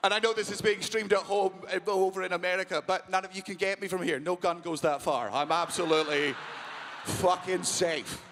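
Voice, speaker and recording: A man with a high voice performs stand-up for a live crowd. He is loud and brash, swearing constantly and bursting into shouts, and a faint hum of the venue sits behind him. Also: fairly even intonation, normal speed, pauses often. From Britain. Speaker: comedian.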